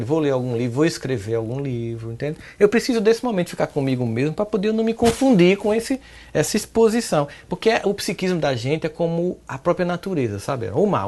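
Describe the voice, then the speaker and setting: Psychologist guy from northeast brazil, middle-aged, animated, voice jumps up high when he stresses stuff, keeps tossing in né. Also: brisk, a little hiss or hum. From Paraíba, Northeast Brazil. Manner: animated, pitch jumping up on emphasis, frequent "né?" and "entende?". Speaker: psychologist, interview guest. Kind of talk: reflective interview talk.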